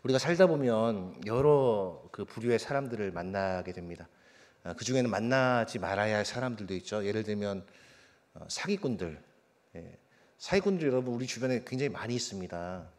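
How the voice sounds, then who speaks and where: A male pastor preaching a sermon. He asks the congregation questions, reads scripture aloud with a raised voice, and lets his phrase endings fall soft. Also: medium pitch. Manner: slows and drops soft at phrase ends.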